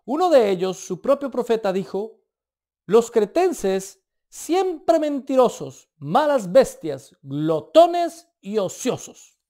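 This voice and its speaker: A man with a Colombian accent preaching a sermon in an emphatic, animated way, with light asides. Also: high-pitched. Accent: Colombian Spanish.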